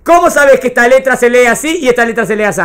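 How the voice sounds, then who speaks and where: A religious studies teacher, a woman with a Rioplatense Spanish accent, delivers a classroom lecture in a voice on the high side at a quick pace. She frequently checks whether her students have understood.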